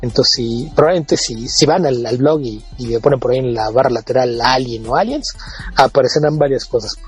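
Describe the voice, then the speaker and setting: A very husky, breathy man with a Mexican Spanish accent talks in a relaxed podcast chat. He stumbles and restarts words as he goes, with faint music behind him. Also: mid-range voice, brisk. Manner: chatty, repeats and restarts words. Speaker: podcast co-host and blogger.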